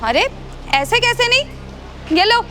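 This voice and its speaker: A woman's voice: very high-pitched, very animated, slow, sharp tone, slight background noise, full character voice. An actress playing a bold young woman who insists and schemes, in a web drama. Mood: scheming. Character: young scheming woman, daughter-in-law or niece.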